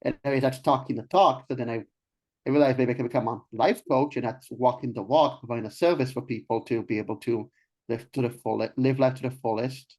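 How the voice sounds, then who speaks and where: Interview guest: young man from Israel, mid-pitched, hesitant and halting, full of pauses. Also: fairly even intonation, a little mellow. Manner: hesitant, many ums and restarts. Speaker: guest, life coach. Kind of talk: casual interview talk.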